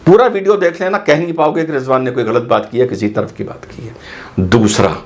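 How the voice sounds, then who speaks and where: A man giving heated political commentary, combative and firing off rhetorical questions and rapid lists. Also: medium pitch, darkish tone.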